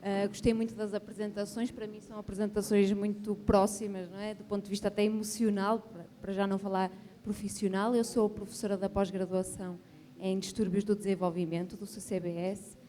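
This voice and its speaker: A woman's voice: mid-range voice, little pitch movement, brisk, dark tone. A woman from Portugal with a European Portuguese accent, a professor speaking formally and reflectively from the audience at a panel. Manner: formal, reflective, with frequent tag questions. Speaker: graduate professor asking a question.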